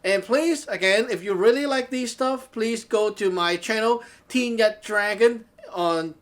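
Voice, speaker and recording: A man's voice: high voice, a little slow. Chatty man. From Hong Kong. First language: Cantonese. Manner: chatty, laughs often, keeps asking "okay?". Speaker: Taoist teacher and show host. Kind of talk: casual talk show monologue. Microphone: talking to camera.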